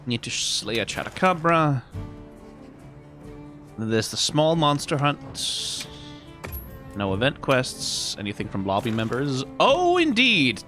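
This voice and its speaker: Male gaming streamer, highly animated bright voice, musing aloud casually, faint music behind. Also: takes it slowly, pauses often. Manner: musing aloud, trails off reading on-screen text. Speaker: streamer playing a video game.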